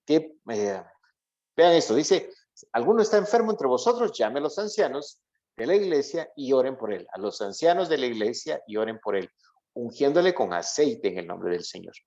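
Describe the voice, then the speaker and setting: A man with a medium-pitched voice teaches the Bible to a congregation. He explains in a didactic way and often stops to ask short checking questions. The recording is dull and lo-fi. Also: sing-song, moderate pace, a little mellow. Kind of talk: interactive Bible lesson to a congregation. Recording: dull, lo-fi, muffled audio.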